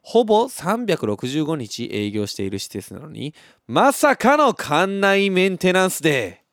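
A young man with a lilt chats his way through listener mail, his voice rising and falling in lively swings. He laughs easily and tosses in playful sound effects as he tells stories. The sound is dry and close, with no room around it. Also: fairly high pitch, unhurried, no echo. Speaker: podcast host reading listener messages. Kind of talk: casual chat.

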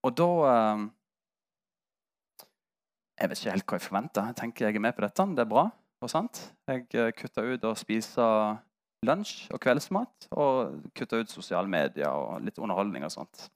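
A man's voice: lowish voice, sing-song. A man, a pastor preaching a sermon and telling a personal story with candid, self-mocking humor. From Norway.

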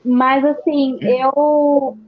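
A woman's voice: high-pitched, flat delivery, drawn-out words, phone-quality sound. A woman with a Carioca accent chatting casually about films in informal Rio street slang, with casual swearing. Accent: Carioca (Rio de Janeiro). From Rio de Janeiro, Brazil. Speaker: panelist discussing films.

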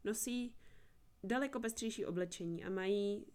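A woman's voice: mid-range voice, a little mellow, close to an everyday voice. A woman reading the lines of a terse, guarded male wanderer in an audiobook, in a curt, matter-of-fact manner. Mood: measured.

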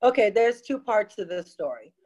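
A woman in her forties who was born in Ghana, telling her story as a guest in an interview, rambling with many pauses and restarts. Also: medium pitch, sing-song, a little mellow, highs cut off. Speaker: guest, taco business owner.

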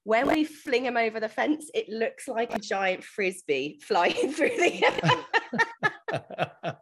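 A woman's voice: on the high side, takes it slowly, breathy edge. Chatty English woman telling stories. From United Kingdom. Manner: chatty, jokey, animated storytelling with colloquial turns. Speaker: podcast guest, online course educator. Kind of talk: casual interview chat, storytelling.

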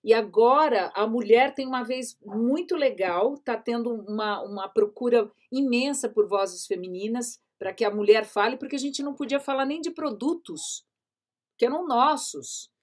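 A woman's voice: fairly high pitch, moderate pace. A woman, a commercial voice-over artist, hosting a casual live panel chat over a video call in a conversational, engaged way.

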